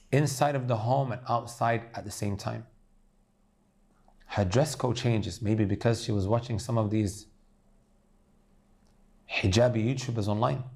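A man's voice: on the low side, gravelly, a little mellow. A man preaching an earnest sermon, addressing his listeners as brothers and sisters.

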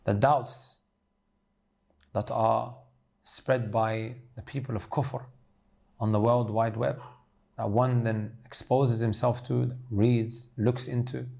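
Dark-voiced man preaching a sermon. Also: mid-range voice, vocal fry. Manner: earnest, addresses listeners as brothers and sisters.

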